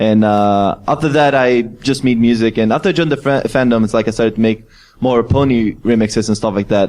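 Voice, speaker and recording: A man with a non-native accent talks at a fairly quick pace with ordinary pitch variation. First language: not English. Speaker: music producer. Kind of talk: convention panel Q&A. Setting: stage with audience. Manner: halting.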